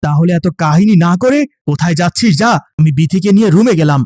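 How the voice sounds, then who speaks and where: A man's voice: a little high, expressive, a little fast, a little mellow, dry recording, clean studio sound. A man voicing a harsh, scornful young husband. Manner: harsh, scolding.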